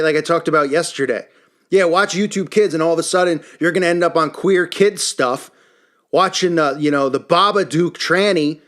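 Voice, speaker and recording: In an indignant, unscripted opinion rant, a man who hosts a YouTube commentary channel speaks emphatically. His voice sits on the high side with a fairly bright tone.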